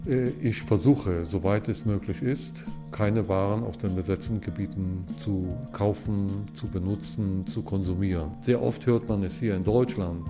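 Gravelly, deep-voiced man in his seventies. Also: music in the background. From Israel. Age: 70s. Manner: measured, explanatory. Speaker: interview guest, historian. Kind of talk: casual interview talk.

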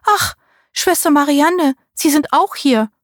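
A woman voicing a frail, indignant old woman in an audiobook, with a shrill, scolding voice. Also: lively intonation, fairly quick, no room sound, clean studio sound. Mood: relieved.

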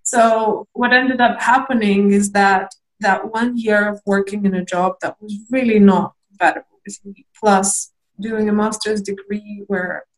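A woman's voice: mid-range voice, steady tone, measured pace, hardly any pauses, poor audio. A young woman from Lithuania, a guest in a candid interview, talking reflectively with hesitant restarts and small laughs.

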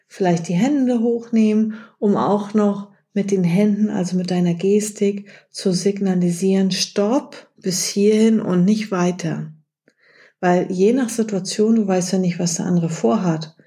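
A woman hosts an advice podcast in a mellow, warm voice. She coaches the listener directly and drops into brief acted example lines. Her pitch sits in an ordinary middle range. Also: fairly even intonation, normal speed, hardly any pauses. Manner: acts out short example phrases. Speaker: podcast host.

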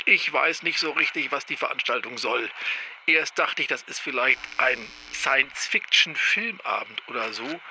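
An actor playing a hapless time-travelling agent who rambles hesitantly in an audio drama voicemail. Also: male voice, a little high, bright, forceful tone, slight background noise, heavily acted, rough recording. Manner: hesitant, rambling, thinking aloud.

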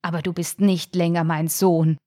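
A woman's voice: fairly low pitch, level tone, moderate pace, dark tone, natural voice. A woman voicing an indignant great white shark father who speaks in a scornful, commanding manner. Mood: outraged.

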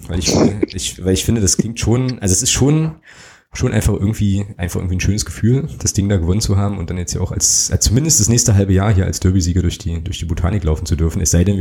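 Guy on a fan podcast, low voice, talks quick, lots of ums. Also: dark tone. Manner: rambling, many fillers and restarts. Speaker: podcast co-host. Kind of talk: casual fan podcast chat.

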